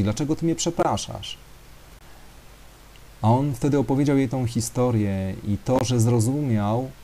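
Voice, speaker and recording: A man's voice: medium pitch, dark tone. A man telling a story to an audience, talking hesitantly with fillers and speaking directly to his listeners.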